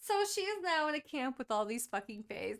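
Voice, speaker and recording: A woman podcast host recaps a novel in loose, casual chat, cursing constantly and playing up the drama. Her voice sits high and comes across bright and forceful. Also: a little fast, a little hiss or hum. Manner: profane, animated book recap.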